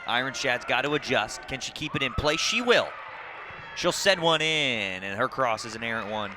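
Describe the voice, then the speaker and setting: A man calls a soccer match live for television in a mid-range voice, with clearly audible crowd and outdoor noise around him. His delivery moves between short, clipped calls of the play and steady recaps of results and numbers. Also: mid-range voice, moderate pace. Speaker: play-by-play sports commentator. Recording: clearly noisy outdoor broadcast with crowd ambience. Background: crowd and outdoor ambient noise.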